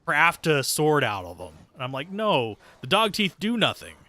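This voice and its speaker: A man's voice: on the high side, wildly swooping pitch, normal speed, bright, forceful tone, no echo. A man giving casual, sweary live gameplay commentary and chatting with viewers in a sardonic, self-deprecating way. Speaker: game streamer, host.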